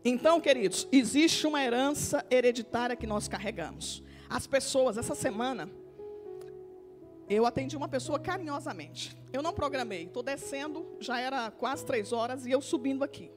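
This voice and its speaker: A woman pastor with a Brazilian Portuguese accent preaching a sermon in a church, moving between quiet storytelling and loud, drawn-out scripture reading. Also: high-pitched, over music.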